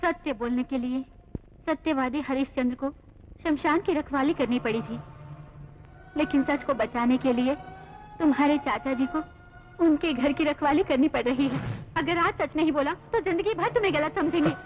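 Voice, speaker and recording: An actress playing a calm, wise sister-in-law in a dubbed film, earnest and persuasive. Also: female voice, high-pitched, normal speed, lightly acted. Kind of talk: Hindi film dub. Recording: tinny dubbed audio with faint music.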